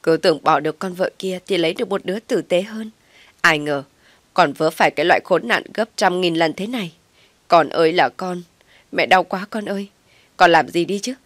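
A woman playing a dramatic old mother-in-law, loud wailing lament, scolding, lowish voice, dry sound. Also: moderate pace, no echo, close to an everyday voice. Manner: wailing, theatrical complaining.

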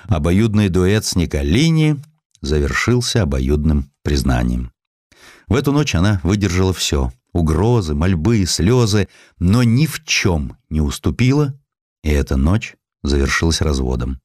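A man narrates history. His delivery is theatrical and highly expressive, with wide swings of intonation. The sound is dry and close, as in a scripted audiobook. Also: unhurried, no echo.

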